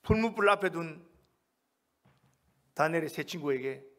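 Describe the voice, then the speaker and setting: A middle-aged male pastor, preaching a revival sermon and telling stories, swinging from loud to hushed. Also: fairly high pitch, animated, moderate pace.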